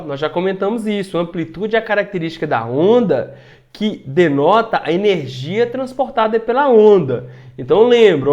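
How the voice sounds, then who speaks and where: Brazilian guy teaching physics online, kinda high voice, goes loud and quiet to show sounds, keeps asking if u got it. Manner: explains step by step, checks in with students often; shifts loudness to demonstrate sounds. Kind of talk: online lesson.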